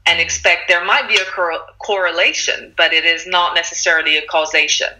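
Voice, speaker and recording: Bright-voiced earnest woman author. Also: brisk, low-quality recording. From Morocco. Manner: earnest and encouraging, animated rises in pitch. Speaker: author and guest. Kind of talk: casual conversational interview.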